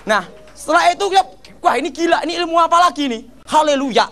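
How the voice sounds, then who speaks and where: A middle-aged man giving an animated church testimony, constantly addressing his listeners as brothers and sisters. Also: extremely high pitch, fast talker, slight background noise. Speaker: testimony speaker.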